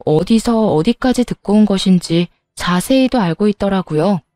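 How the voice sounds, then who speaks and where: A woman narrating a family story as the younger daughter-in-law, recounting it calmly. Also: medium pitch, normal speed, dry recording, studio quality, faint music behind.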